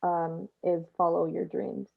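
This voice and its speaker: Thin phone-like audio, creaky-voiced woman. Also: fairly low pitch, monotone, unhurried. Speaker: theatre performer, panel guest. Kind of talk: casual panel chat. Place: video call.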